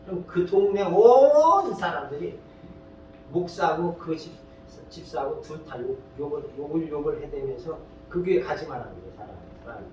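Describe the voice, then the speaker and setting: A man's voice: animated, normal speed, mellow. A man preaching a sermon as pastor, in a plain conversational way, firing rhetorical questions and prodding the congregation. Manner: fires rhetorical questions and prods listeners with "eh?"; colloquial, storytelling preacher. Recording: very echoey hall, distant mic, faint rumble.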